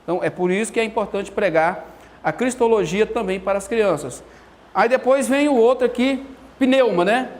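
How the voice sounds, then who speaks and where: A man with a fairly high voice teaches Bible doctrine with a Brazilian Portuguese accent. He talks in an animated, storytelling way and acts out the quotes as he goes. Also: normal speed. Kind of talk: lively church teaching talk.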